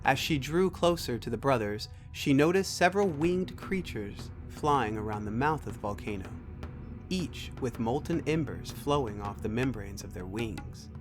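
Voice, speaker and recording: A man's voice: medium pitch, expressive, moderate pace, music in the background. A man narrating a scripted science fiction story.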